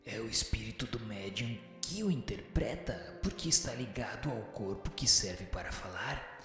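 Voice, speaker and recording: A wise male spirit played by a man speaks in a low, solemn register, drenched in echo. He instructs patiently and formally, as in a radio play, with music playing underneath. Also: expressive, a bit bright. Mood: patient, instructive. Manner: didactic, formal, measured. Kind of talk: scripted radio drama reading of a spiritual text. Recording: very echoey hall-like reverb with music behind.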